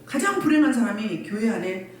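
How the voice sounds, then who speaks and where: A woman's voice: fairly high pitch, very animated, a little fast, a little hiss or hum. Woman pastor preaching in an echoey hall. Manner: repeated rhetorical questions to the congregation. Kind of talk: sermon. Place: church sanctuary. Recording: echoey room from far off.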